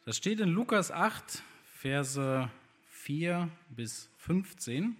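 A man preaching to a congregation in an easygoing, conversational sermon. He often puts questions to his listeners and fills his pauses with little hesitations. His loudness rises and falls in lively swings as he talks. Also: on the high side. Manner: conversational, asks the congregation questions, many fillers. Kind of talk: sermon with scripture reading.

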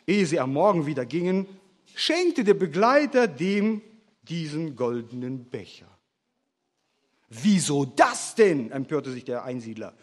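A man preaching a sermon, telling stories in an animated way and asking rhetorical questions. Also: on the high side, moderate pace.

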